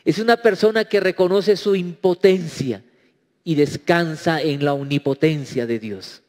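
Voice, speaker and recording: A man's voice: fairly high pitch, measured pace, a little mellow. A man preaching a sermon as pastor, emphatic and acting out quoted prayers. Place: church. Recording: reverberant church hall.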